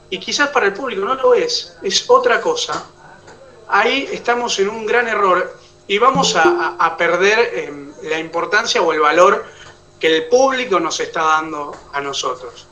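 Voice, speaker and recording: A man with a high-pitched, bright, forceful voice and an Argentine accent teaches an online oratory class, explaining step by step and confirming his students follow. The recording is low quality and made from a distance.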